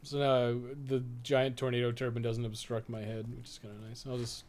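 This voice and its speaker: A man's voice: mid-range voice, flat delivery, fairly quick, darkish tone. A man giving casual live gameplay commentary as a streamer, rambling and thinking aloud with frequent swearing. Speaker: video game streamer and guide writer. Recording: clearly noisy background.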